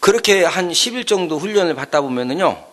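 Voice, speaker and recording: Animated, high-voiced Korean pastor preaching. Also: male voice, quick pace. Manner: animated storytelling with sound effects, asking the congregation "예?". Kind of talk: sermon.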